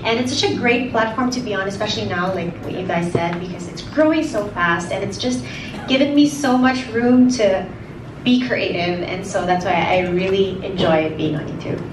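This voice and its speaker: A woman's voice: medium pitch, normal speed. An enthusiastic woman from Cebu answers questions on a panel. She sounds distant from the mic in a roomy, echoing hall with crowd noise. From Cebu, Philippines. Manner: upbeat, enthusiastic. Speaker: panelist, lifestyle vlogger. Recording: echoey hall from far off.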